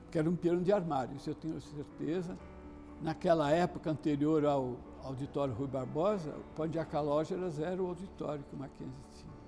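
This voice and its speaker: Man, fairly high voice, nostalgic testimony, slow reminiscing, clear piano music under. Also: steady tone, warm tone. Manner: nostalgic, unhurried, with many "né" tags. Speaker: interviewee sharing memories.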